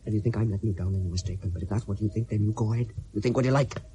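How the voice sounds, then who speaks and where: An actor playing a desperate young miner, defiant and stammering under strain. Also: male voice, fairly low pitch, rapid-fire, mellow, slight background noise, natural voice. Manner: defiant, then breaking, stammering. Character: desperate young male miner, torn and emotional.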